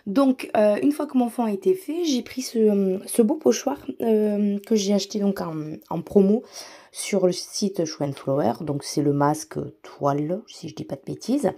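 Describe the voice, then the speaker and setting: Woman, casual voice-over tutorial, mellow tone, enthusiastic, lots of filler words. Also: medium pitch, normal speed. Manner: chatty, many fillers and restarts; self-deprecating, enthusiastic about materials. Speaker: craft video host. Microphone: voice-over mic.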